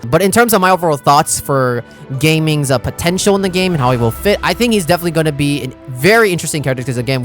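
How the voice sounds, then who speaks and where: A man's voice: a little high, fairly bright tone. A man doing casual gaming reaction commentary as a YouTuber, informal and slangy, thinking aloud as he goes. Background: background music.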